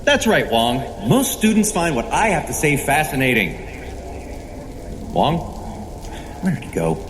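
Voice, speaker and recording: A man's voice: a little high, big pitch swings, measured pace. A man playing a self-assured, erudite sorcerer in an audio drama, wry and theatrical as he talks things through to himself. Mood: urgent, irritated. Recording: echoey room with noisy ambience behind.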